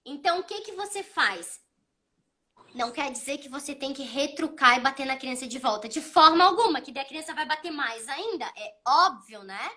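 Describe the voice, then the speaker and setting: A woman in her thirties, hosting a child psychology talk, explaining calmly and telling stories about her son with acted-out dialogue. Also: sits high, moderate pace. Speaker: child psychology channel host. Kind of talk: casual advice talk.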